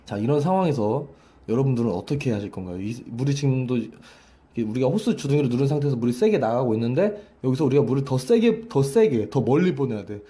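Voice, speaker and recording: Speaking quickly and very animatedly, a vocal coach with a dark, medium-pitched voice explains breath pressure during a lesson. He demonstrates with a hose and keeps repeating and restarting what he says.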